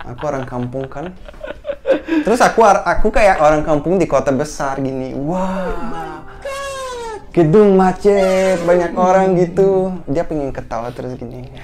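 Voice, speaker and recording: The speaking pace is fairly slow. Music plays in the background. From Brazil, small town. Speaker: foreign guest living in Indonesia. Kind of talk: casual chat.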